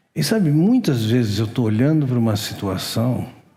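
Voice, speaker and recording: A man's somewhat breathy, dark and mellow voice, medium in pitch with very wide pitch swings, at a fairly slow pace with audible room echo. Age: 60s. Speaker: pastor. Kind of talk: sermon.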